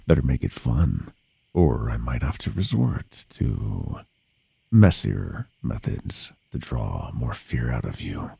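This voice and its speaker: A man voicing an ancient, sadistic monster under the bed in a horror ASMR roleplay, gravelly and often whispering, with a slow, taunting, teasing manner. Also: rumbling low, sing-song, warm tone, heavily acted. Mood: hungry, excited. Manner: slow, taunting, teasing, savoring each word. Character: centuries-old monster under the bed, sadistic, playful, menacing.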